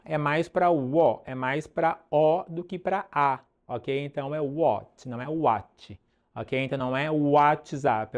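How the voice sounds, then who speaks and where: A man teaching an online English lesson, drilling pronunciation slowly and checking in with "ok?" often. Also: fairly high pitch, a little mellow.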